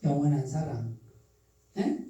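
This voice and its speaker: A pastor with a Chungcheong accent gives a midweek sermon. The pastor keeps putting questions to the congregation, answers them, and repeats key phrases slowly and softly for emphasis. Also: medium pitch. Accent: Chungcheong Korean. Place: church sanctuary. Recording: very echoey hall, voice from a distance.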